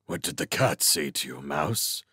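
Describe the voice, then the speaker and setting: A man voicing a huge, hungry male owl captain in a storybook reading, with a flat, hard, rasping voice. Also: extremely low pitch, measured pace, no room sound, studio quality, pitched below the performer's own voice, full character voice. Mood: menacing.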